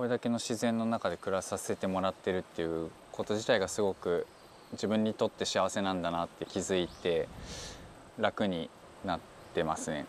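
A man's very deep, low voice at a moderate pace, with fairly even intonation, a dry sound with no echo and light background noise. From Niigata, Japan; Japan. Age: 20s. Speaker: campsite manager, rural migrant. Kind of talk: interview. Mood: reflective, gently smiling. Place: forest. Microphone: lapel.

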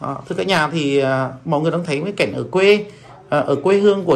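Speaking at a very fast pace, a man talks with a fairly high pitch. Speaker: charity vlogger. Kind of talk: direct address to viewers; casual chat. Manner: halting, many fillers. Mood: sympathetic, earnest. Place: home room. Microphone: phone near.

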